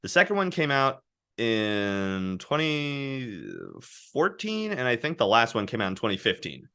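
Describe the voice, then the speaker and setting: A man who works as a voice actor, chatting as a guest and telling animated stories about his work. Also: medium pitch, measured pace, clear, resonant tone. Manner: animated, anecdotal storytelling. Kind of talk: casual interview chat.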